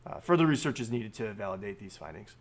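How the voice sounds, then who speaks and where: A man's voice: fairly low pitch, animated, quick pace. A man hosting a live stream, reading out and discussing news articles with many fillers and restarts.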